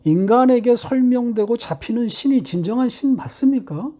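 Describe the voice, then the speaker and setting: A middle-aged male pastor preaching a sermon, posing rhetorical questions and slowing down to stress key phrases. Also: very high voice, lively intonation, dark tone. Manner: rhetorical questions, measured delivery with slowed emphatic phrases.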